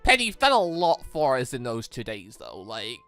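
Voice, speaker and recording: Let's player as kind young student hero, reassuring n earnest, visual novel read, bright voice. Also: mid-range voice, wildly swooping pitch, moderate pace, soft background music, pitched below the performer's own voice. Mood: sincere.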